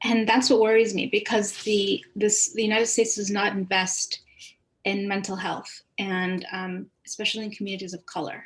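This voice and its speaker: Delivered at a moderate pace, the voice is somewhat breathy with fairly even intonation. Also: woman, medium pitch for a woman. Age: 30s. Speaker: author. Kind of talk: interview. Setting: video call. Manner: many fillers, halting.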